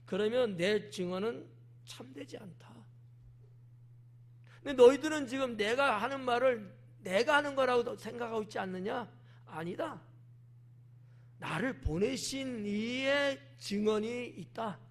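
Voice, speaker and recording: A man's voice: extremely high pitch, measured pace. A middle-aged male pastor giving a weekday morning sermon, explaining a passage in a conversational way and acting out the quoted lines. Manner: conversational preaching with acted quotations.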